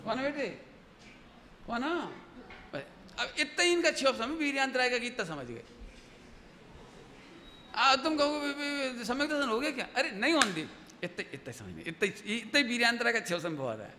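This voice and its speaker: High, bright-voiced man giving a sermon. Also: moderate pace, long pauses. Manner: lively storytelling, asks the audience questions. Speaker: religious teacher giving a discourse. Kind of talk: devotional sermon. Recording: long hall reverb with faint background noise.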